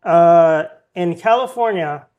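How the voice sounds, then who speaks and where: A man's voice: on the high side, slow, highs cut off. A man hosting a podcast, casually reading out news stories with plenty of ums and uhs. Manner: relaxed, reads headlines with filler ums and uhs.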